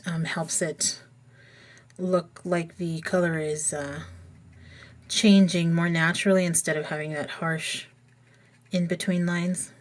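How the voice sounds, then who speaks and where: A woman with a slightly froggy voice, chatting casually and thinking aloud as she demonstrates a coloring technique in a voice-over. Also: deep voice. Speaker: coloring tutorial host.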